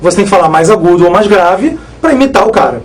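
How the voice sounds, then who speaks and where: A man teaching a live exam-prep physics lesson, energetic, joking and repeating himself. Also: sits high, quick pace, low-quality recording.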